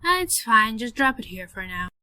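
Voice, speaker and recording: A practical, sceptical young woman played by a woman with a bright, fairly high voice that swings in pitch. She is the emphatic voice of reason in an audio drama. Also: sing-song, moderate pace, smooth, exaggerated voice. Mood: casual, friendly.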